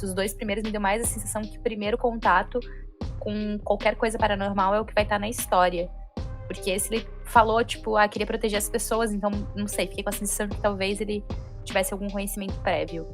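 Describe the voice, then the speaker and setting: A woman with a Brazilian accent, co-hosting with casual, analytical reaction commentary. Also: medium pitch. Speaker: reaction show co-host.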